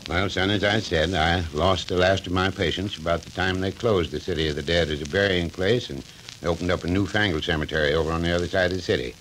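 An actor playing a kindly, folksy old country doctor in a 1940s radio drama, with a gentle, reminiscing manner. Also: male voice, deep voice, fairly even intonation, quick pace, poor audio. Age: older. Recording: old radio recording with faint hiss.

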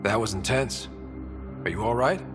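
An actor playing a steady, supportive young human space explorer in a video game, earnest and direct. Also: male voice, fairly low pitch, moderate pace, over music, close to an everyday voice. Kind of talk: dramatic video game acting.

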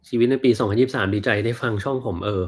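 A man in his thirties hosting a casual livestream Q&A, reading viewer comments and answering in a relaxed, chatty way full of fillers. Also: medium pitch, racing, slightly rough. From Thailand. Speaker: doctor and livestream host.

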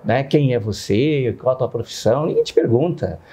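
Male, mid 50s, warm dark tone, conversational testimonial with habitual tag questions. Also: medium pitch, lively intonation, moderate pace, husky. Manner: frequent tag questions seeking agreement. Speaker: interview guest.

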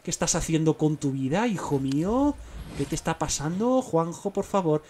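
Young male gamer with a Spain Spanish accent, voice somewhat high, live commentary, excitable, bursts into exclamations. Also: moderate pace, slight background noise. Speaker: gaming streamer.

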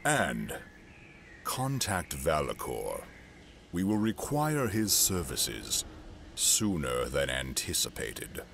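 A man playing a guarded, cold imperial governor in a sci-fi audio drama, speaking formally and in measured words. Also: extremely low pitch, very animated, gravelly, a bit bright, slight background noise, full character voice. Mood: cold, scheming.

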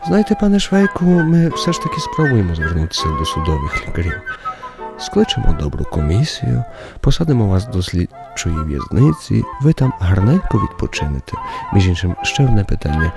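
Elderly, lilting, sweetly courteous interrogator. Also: male voice, fairly low pitch, very animated, brisk, creaky, music in the background. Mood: sweetly solicitous. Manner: gently smiling, unctuously polite. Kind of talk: radio drama acting.

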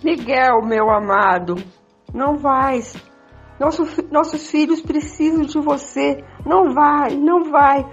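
An older woman playing a pleading, jealous, melodramatic wife in an amateur radio soap opera, with a husky voice. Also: high voice, heavily acted. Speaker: amateur participant in a radio play. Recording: dull lo-fi audio with music.

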